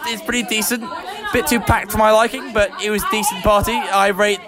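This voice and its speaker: A man's voice: high voice, little pitch movement, a little fast, background noise. A drunk young man, a party guest, rambling and offhand with giggles. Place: crowded student house party. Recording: loud music and crowd behind. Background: loud music and party crowd.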